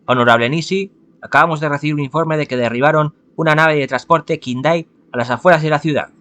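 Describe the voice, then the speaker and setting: Dude reading a formal samurai messenger, plain reportlike delivery, slightly high voice. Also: male voice, fast, pushed and bright.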